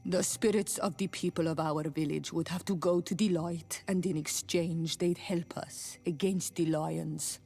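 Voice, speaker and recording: A grave daughter of a tribal queen for a game cutscene. She speaks very slowly and deliberately in a slightly low, solemn voice. Faint music sits behind her. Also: fairly even intonation, creaky, warm tone, slightly rough, exaggerated voice. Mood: troubled. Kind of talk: video game cutscene acting. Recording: background music under the voice.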